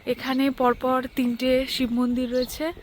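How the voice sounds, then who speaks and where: Vlogger, female, slightly high voice, chatty and direct, noisy outdoor recording. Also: flat delivery, a little slow. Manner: chatty, talks to viewers directly. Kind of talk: casual vlog chat. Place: outdoors at a temple.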